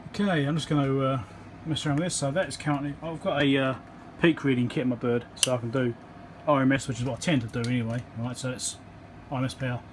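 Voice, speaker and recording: An electronics repair presenter talking casually as he works at his home workbench, thinking aloud with frequent ums and pauses. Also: medium pitch, fairly even intonation, background noise. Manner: thinks aloud with many ums, counts into the mic.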